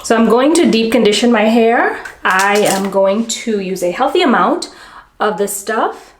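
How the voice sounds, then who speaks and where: A woman's voice: on the high side, expressive, measured pace. A young woman casually talking through her hair-care routine for a vlog, chatty and often correcting herself mid-sentence. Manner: chatty, self-correcting, talks through each step. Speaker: beauty vlogger. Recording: echoey home room, faint ambient noise.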